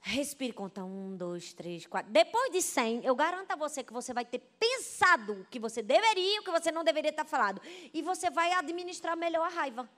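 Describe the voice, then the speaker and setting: A Brazilian woman pastor preaching a sermon, telling stories with lively, animated delivery and often turning to the congregation. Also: extremely high pitch, quick pace. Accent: Brazilian Portuguese. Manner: animated storytelling, addresses the congregation as "gente". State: pregnant.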